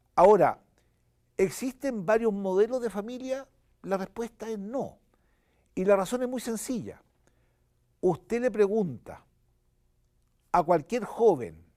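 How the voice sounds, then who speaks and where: The voice has a dark, mellow tone and ordinary pitch variation, moving at a fairly slow pace with long, frequent pauses on a very clean recording with a silent background. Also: man, high pitch for a man. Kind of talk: interview.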